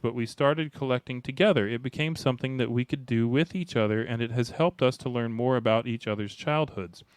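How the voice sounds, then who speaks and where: Joking man in his forties, crisp voice. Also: medium pitch, dry recording. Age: 40s. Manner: joking, reads listener comments aloud with asides. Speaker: podcast co-host. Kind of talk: casual podcast chat.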